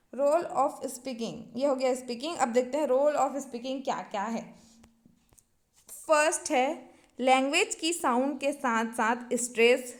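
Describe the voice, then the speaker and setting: A woman teaching an exam-prep lesson, reading each point from her notes, then restating it simply and checking in with the class often. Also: high voice.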